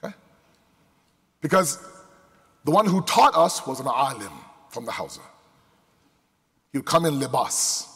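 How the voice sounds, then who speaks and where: A man's voice: medium pitch, big pitch swings, measured pace, pauses often, a bit bright, husky. A man preaching a Muslim sermon to a congregation, speaking emphatically with rhetorical questions and repetition. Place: large indoor hall before a crowd. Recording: echoey hall with long reverb.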